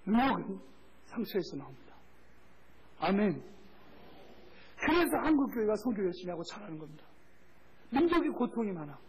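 A man preaching as a missionary, telling a story with lively acted-out quotes and frequent laughter. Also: high-pitched, moderate pace, pauses often, slight background noise, low-quality recording. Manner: animated, acts out voices in quotes, laughs often. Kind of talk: sermon with storytelling.

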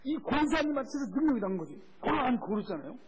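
A man preaching as a missionary, telling a story with lively acted-out quotes and frequent laughter. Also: extremely high pitch, quick pace, a crowd in the background, poor audio. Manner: animated, acts out voices in quotes, laughs often. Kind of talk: sermon with storytelling.

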